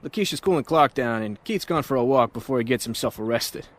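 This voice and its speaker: A man's voice: mid-range voice, lively intonation, a little fast, lightly acted. An actor playing a lovesick, sheepish man in an audio drama, talking in a hesitant, rambling, self-deprecating way. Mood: concerned, casual. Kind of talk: audio drama acting, conversational.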